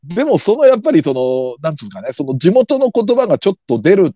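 A man's voice: fairly high pitch, fast, dry recording, studio quality. A man co-hosting a comedy podcast, chatting casually about anime characters in a chatty way, full of fillers. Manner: animated, chatty, hedging with fillers.

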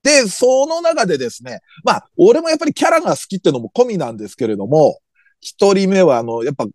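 A man's voice: sits high, quick pace, no room sound, studio quality. A man co-hosting a comedy podcast, chatting casually about anime characters in a chatty way, full of fillers. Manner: animated, chatty, hedging with fillers.

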